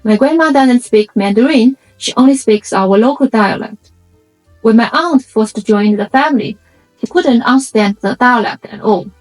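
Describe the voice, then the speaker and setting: Her first language a Chinese dialect, a woman from China narrates a reflective, scripted video essay with a Chinese accent, explaining in measured short phrases. She has a fairly high pitch, with faint music behind and poor audio.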